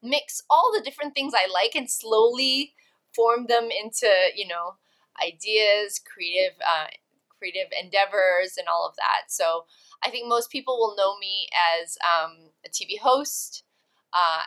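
Bright-voiced chatty woman guest. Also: medium pitch, measured pace. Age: adult, career of over two decades. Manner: chatty, laughs often, fillers like "like". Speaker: podcast guest, actress and TV host. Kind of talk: casual interview chat.

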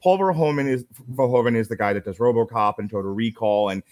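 A man's voice: mid-range voice, fast. A man co-hosting a movie review podcast, chatting casually and emphatically, sometimes acting out quoted lines. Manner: animated, emphatic, acts out quoted voices.

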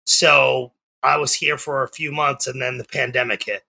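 Gravelly Boston-area man in his forties. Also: medium pitch, little pitch movement, moderate pace, sharp tone, poor audio. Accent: Boston area, non-rhotic. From Massachusetts, US. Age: 40s. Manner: rambling with many ums and restarts. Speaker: guest, life coach and speaker. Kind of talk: casual interview chat.

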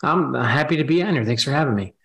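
A man's voice: medium pitch, animated, fast talker, creaky. A man with a mid-range voice speaks as an expert podcast guest. He explains in a conversational, analytical style. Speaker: podcast guest, finance professor.

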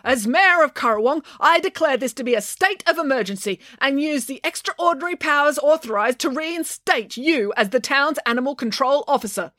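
A woman reader acts out a small-town lady mayor from a children's story. She is bossy and pompous, pitched high and full of command. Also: lively intonation, brisk, few pauses, a bit bright, dry recording, studio quality.

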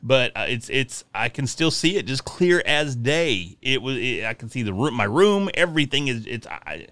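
Brief: lively male host, late forties, bright tense tone, dry close sound. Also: mid-range voice, normal speed, dry recording. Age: 40s. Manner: animated, laughing storyteller. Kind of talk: casual conversation.

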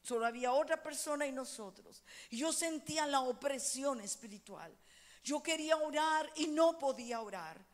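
A middle-aged woman pastor preaching a sermon, moving between loud fervent exhortation and quiet personal storytelling. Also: high-pitched, expressive, normal speed.

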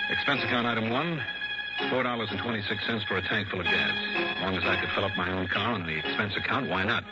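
A wry, easygoing insurance investigator, played by a man, talks in a lowish, dry, conversational way. The sound is dull and muffled like an old radio broadcast, with music playing behind him. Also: close to an everyday voice. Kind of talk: 1960s radio drama acting with narration.

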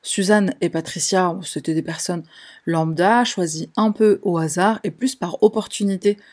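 Lower-voiced female true crime narrator. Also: moderate pace, darkish tone. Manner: conversational, with wry sarcastic asides.

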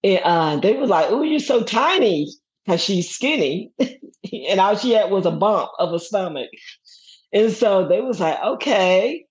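A middle-aged woman telling a personal story as a guest, lively and laughing often as she acts out what others said. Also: medium pitch, normal speed, breathy edge. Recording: dull lo-fi recording.

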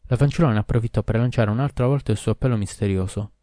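A man narrating a fairy tale in a steady, measured reading. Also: fairly low pitch, no room sound, studio quality. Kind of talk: audiobook story narration.

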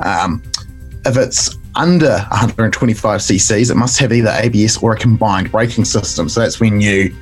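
A man speaks in a slightly low voice that is croaky and creaky from a recent cough. He explains things in a conversational podcast news style, with faint music behind him. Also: moderate pace, low-quality recording. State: recovering from a bad cough. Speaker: podcast co-host reporting news.

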